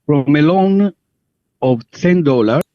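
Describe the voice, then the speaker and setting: A man from Italy with an Italian accent, asking questions on a video call in halting English full of fillers. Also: on the high side, animated, no echo. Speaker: call participant. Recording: dry, muffled online call audio.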